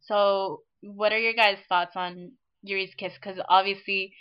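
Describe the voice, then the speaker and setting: A woman's voice: mid-range voice, flat delivery, a little slow, smooth, highs cut off. A woman hosting a casual online fan chat, rambling and laughing often as she talks. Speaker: podcast host.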